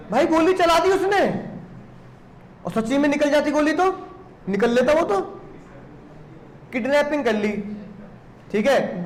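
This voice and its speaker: A man's voice: very high-pitched, slight background noise. A man teaching a law class, teasing and scolding students with lots of rhetorical questions. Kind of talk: classroom lecture.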